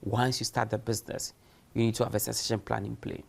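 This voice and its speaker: A man's voice: on the low side, flat delivery, quick pace, creaky, darkish tone. A man giving a recorded university lecture, speaking emphatically and posing rhetorical questions. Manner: emphatic, uses rhetorical questions and acted-out examples. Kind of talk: recorded distance-learning lecture.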